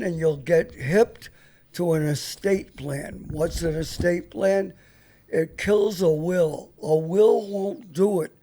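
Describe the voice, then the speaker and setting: An older man hosting a casual, joking talk show, blunt and halting as he questions people. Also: high-pitched, dark tone. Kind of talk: casual, joking interview chat with profanity.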